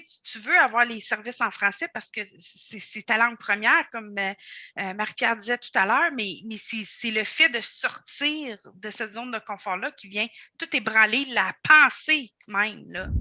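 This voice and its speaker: Woman, Franco-Ontarian French accent, panel guest, reflective, very bright, dry close sound. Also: on the high side, dry recording. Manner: reflective, many restarts and fillers. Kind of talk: casual panel discussion. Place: room at a table.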